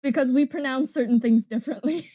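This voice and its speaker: A woman's voice: sits high, fairly quick, dark tone, dry recording. A young woman with a Canadian accent co-hosting a casual podcast, answering with dry quips. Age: young adult. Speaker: podcast co-host.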